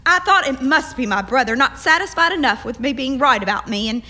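Radio play lead: actress as a strong-willed, proper young frontier woman, high bright voice, formal phrasing. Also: lively intonation, fairly quick. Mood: flustered, polite. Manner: formal, wordy, insistent. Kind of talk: radio drama acting.

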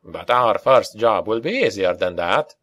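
A man voicing a calm, wry Scottish mercenary with a lilting burr in an audiobook. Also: on the low side, unhurried, no room sound, studio quality. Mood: measured.

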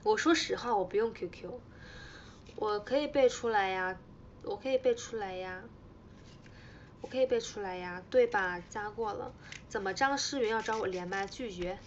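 A young Chinese woman hosts a relaxed idol livestream, playfully teasing her fans and repeating herself as she chats. Her mid-range voice moves at a moderate pace, with the highs cut off and a slight hiss or hum.

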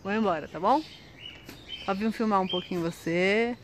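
A woman's voice: medium pitch, normal speed, background noise. A woman with a Brazilian Portuguese accent talking to her pet birds on camera, cooing and asking them questions in baby talk. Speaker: bird keeper vlogger.

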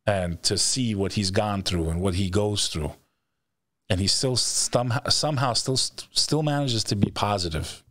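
A man's voice: on the low side, measured pace, bright, forceful tone, dry recording. A middle-aged man hosting a show, talking in a blunt, emphatic, profane motivational style, repeating phrases for weight. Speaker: show host. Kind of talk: motivational interview talk. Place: indoor studio setup, video call. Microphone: close studio microphone on stand.

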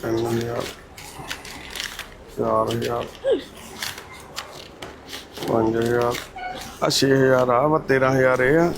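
A man, gently reassuring a distressed woman and counting money aloud. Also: mid-range voice, level tone, takes it slowly, vocal fry, pauses often. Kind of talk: comforting talk with a distressed woman. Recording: crowd noise in background.

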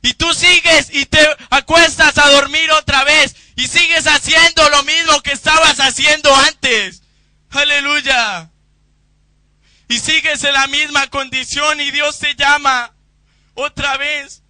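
A male preacher at a church service with a strikingly high, brilliant tone. He speaks slowly and with fervor, pushing toward shouts in prayer. His voice sits close and dry on the microphone. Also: steady tone, no echo. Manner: fervent, swells to shouting in prayer. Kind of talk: Pentecostal sermon and prayer.

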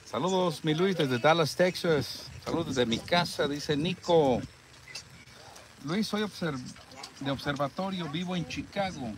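Man, Mexican accent, fairly high pitch, informal slangy chat, live vlog host, noisy outdoor phone recording. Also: a little slow. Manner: informal, slangy, addressing viewers. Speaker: host of a camping cooking vlog. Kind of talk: casual live-stream chat while cooking. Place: outdoor desert campsite under a canopy. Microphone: phone camera held by another person.

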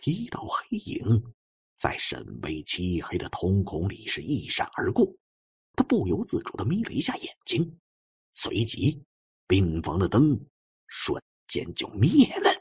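A man narrating a suspense audiobook in a theatrical way, moving between hushed and forceful delivery. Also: lowish voice, husky.

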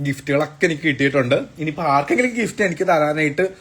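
A man's voice: on the high side, expressive, racing, a bit bright. A young man chatting casually and teasingly to viewers on a live stream from an apartment, talking into a phone. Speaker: vlogger doing a live stream. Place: apartment indoors.

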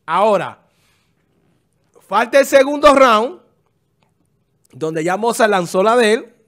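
A man giving casual, animated commentary, explaining things at length and often repeating phrases. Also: high-pitched. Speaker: music commentator.

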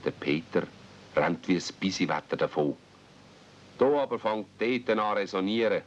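A man's voice: low-pitched, lively intonation, moderate pace. A man narrating a children's radio play as a storyteller, speaking Swiss German. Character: male storyteller of a children's tale. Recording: muffled, noisy old 1970s audio play recording.

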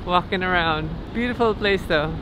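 Chatting cheerfully through airports, streets and her hotel room, a female travel vlogger narrates at a moderate pace in a voice on the low side. Street noise fills the background.

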